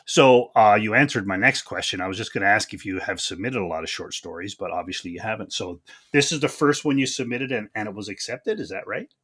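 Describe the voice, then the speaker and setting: A man's voice: on the low side, animated, brisk, fairly bright tone, breathy edge. A man hosting a podcast in a casual, conversational interview style, with a folksy, encouraging manner and frequent words of agreement. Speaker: podcast host.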